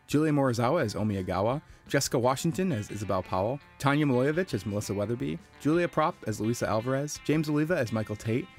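A man reading the end credits of an audio drama podcast in a brisk, even way. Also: mid-range voice. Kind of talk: read credits.

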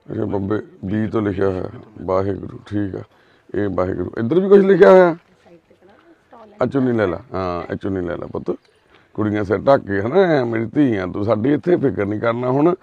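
A man doing social service on a live video, gently soothing a frightened girl and repeating his reassurances. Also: fairly low pitch, fairly quick, vocal fry, dull audio. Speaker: social worker helping a lost girl.

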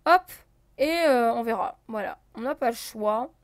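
A woman's voice: a little high, unhurried, heavy background noise. A woman casually commenting on her gameplay as a let's play host, thinking aloud with many fillers and talking to her viewers. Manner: counts and checks items out loud.

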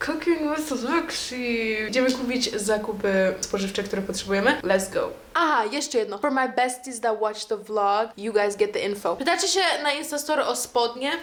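High-pitched young woman vlogging casually. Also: expressive, moderate pace, few pauses. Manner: peppers talk with English slang interjections. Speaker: vlogger, host. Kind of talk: casual chatty vlog. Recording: background music and crowd noise.

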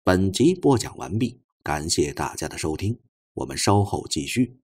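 In a husky, low voice, a male audiobook narrator performs a novel dramatically from a script. His pitch swings widely, and he delivers the story in measured, expressive phrases.

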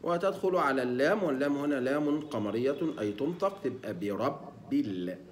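A man teaches Quran recitation, breaking words into single letters and sounding them out slowly. His voice swings widely in pitch as he explains. He poses questions and answers them himself. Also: lively intonation, a little hiss or hum. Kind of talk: tajweed lesson with demonstrations.

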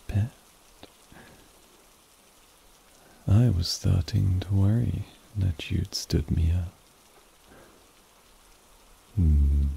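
A man's voice: deep voice, vocal fry, dark tone, heavily acted, poor audio. A man voicing a suave, possessive vampire who teases and dotes on his pet in an ASMR roleplay, purring with condescending affection. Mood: teasing, menacing. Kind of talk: ASMR roleplay addressed to the listener. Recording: rain ambience noise behind voice. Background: rain.

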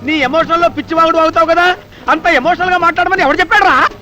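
A man's voice: extremely high pitch, steady tone, fast, bright, forceful tone, faint music behind, full character voice. An actor playing a testy, beaten-up man who scolds his friend in a film comedy. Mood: scolding. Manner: irritable, scolding.

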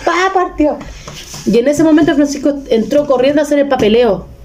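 A woman's voice: sits high, quick pace, mellow, a little hiss or hum. A Chilean woman in her thirties, casually retelling a personal story with emotion and many restarts. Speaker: vlogger.

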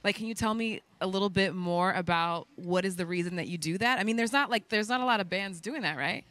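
A woman interviewing a band backstage at a music venue, speaking into a handheld mic, chatty and quick to laugh. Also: medium pitch, fairly bright tone. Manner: laughs often, chatty and hesitant. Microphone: handheld microphone.

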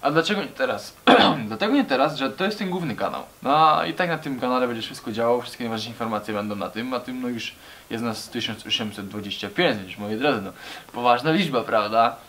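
A man's voice: mid-range voice, fairly quick, fairly bright tone. A young man talking casually to camera in a small garage, rambling and slangy, often calling his viewers buddies. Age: young adult. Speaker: vlogger. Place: small garage with brick walls.

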